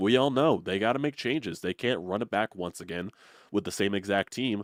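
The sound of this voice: A man speaks at a moderate pace with a nasal quality and fairly low pitch. His pitch varies in an ordinary way, and the sound is dry and close with no echo.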